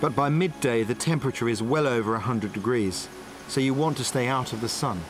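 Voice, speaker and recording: Over music, a male survival presenter delivers documentary narration at a brisk pace, his voice even and mid-pitched. He demonstrates on location on a tropical island, calmly walking through traps and wild food step by step as he tells and shows.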